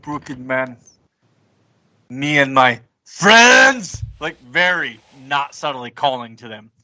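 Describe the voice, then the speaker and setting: A man's voice: a little high, sing-song, takes it slowly, pushed and bright. A man playing a tabletop roleplaying game, moving between table talk and in-character speech.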